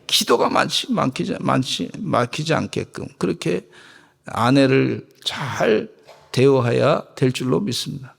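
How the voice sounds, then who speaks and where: A man's voice: medium pitch, sing-song, a little slow, gravelly, slightly rough. A male pastor giving a sermon, joking with the congregation and having them repeat phrases after him. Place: church sanctuary. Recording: echoey church hall.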